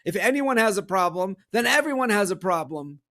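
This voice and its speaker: A man's voice: sits high, animated, brisk, bright, forceful tone, voice pushed up. A man voicing a proud young prince who pleads insistently in a storybook reading. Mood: desperate.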